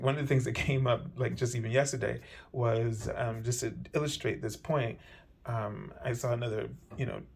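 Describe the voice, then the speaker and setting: Man giving a gentle, rambling tarot reading. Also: medium pitch, vocal fry. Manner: meandering, gentle, many fillers and restarts. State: slightly hoarse. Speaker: tarot reader. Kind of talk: weekly tarot card reading.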